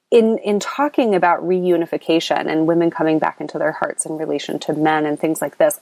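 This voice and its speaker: On her spiritual coaching podcast, the host, a woman whose low voice carries a slight lilt and a darkish, slightly scratchy tone, speaks earnestly but drifts, with ums and false starts. The app recording uses a close mic and sounds dry, with no echo.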